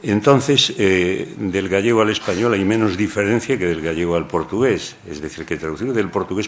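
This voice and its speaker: A man's voice: low-pitched, a little hiss or hum. A man from Galicia, a translator, speaking wryly and digressively on a panel at a poetry event. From Galicia, Spain. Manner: wry, joking, digressive. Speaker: translator and anthologist. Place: university lecture hall.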